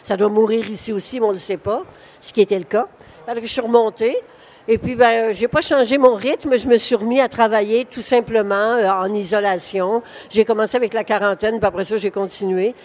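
An older woman with a Québécois accent talks frankly and with animation, often breaking into laughter. She is a novelist answering questions on a book fair stage, and her voice sits at an ordinary middle pitch. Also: fairly even intonation, brisk, darkish tone. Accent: Québécois French. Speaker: novelist guest. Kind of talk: conversational interview on stage.

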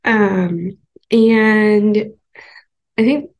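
A young adult woman with a congested voice, hosting a podcast in a casual, thoughtful talk with frequent pauses and ums. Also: medium pitch, fairly even intonation, a little mellow. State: congested from a cold. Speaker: podcast host.

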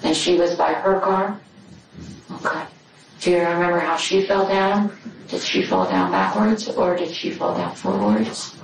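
A woman police detective questioning a suspect calmly, repeating his answers back to probe further. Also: lowish voice, a little slow, background noise. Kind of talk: interrogation questioning. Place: interrogation room. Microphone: far room camera. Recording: echoey room from a distant camera.

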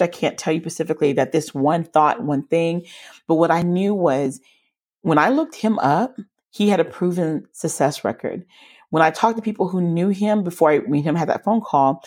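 A woman's voice: sits low, a little mellow, breathy edge. A woman in her forties, slightly nasal as she recovers from a cold, hosting her podcast in an earnest, encouraging storytelling way. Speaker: podcast host. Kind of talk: solo podcast monologue.

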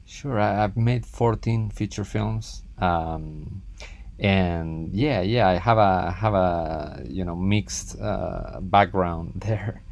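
A film director born in Spain and raised in Argentina, talking casually as a guest with many restarts and fillers. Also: male voice, low voice, takes it slowly, vocal fry, darkish tone. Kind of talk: casual interview talk.

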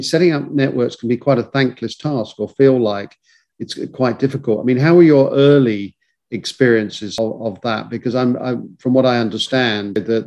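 A man's voice: medium pitch, a little mellow. A man hosting a podcast interview, asking questions with hesitant starts and repeated words. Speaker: podcast host.

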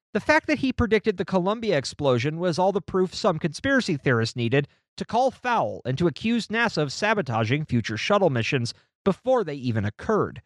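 A man's voice: high-pitched, no echo, clean studio sound. A man co-hosting a podcast, chatting casually about a book and reading long passages aloud. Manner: lively, animated delivery with restarts. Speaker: podcast co-host.

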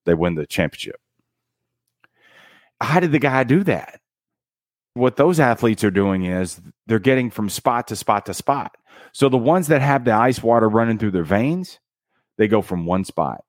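Emphatic motivational man, lively swings. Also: lowish voice, measured pace, pauses often, no echo, clean studio sound. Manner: energetic and emphatic, with dramatic counting and punchy one-word beats; casual slang like "dude" and "bro". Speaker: book summary host. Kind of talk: motivational book commentary.

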